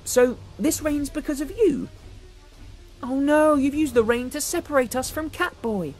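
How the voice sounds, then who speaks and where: A woman's voice: high-pitched, a little slow, darkish tone, voice pushed up. A woman voicing an earnest, brave child superhero in an exclamatory way for a children's toy story. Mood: concerned. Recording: music behind the voice.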